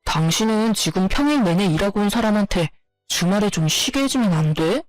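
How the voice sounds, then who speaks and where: A man's voice: high-pitched, animated, fairly quick, dry recording, faint music behind. A man voicing an irritable young husband obsessed with gaming, whiny and defensive as he snaps back. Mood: exasperated. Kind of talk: narrated story dialogue.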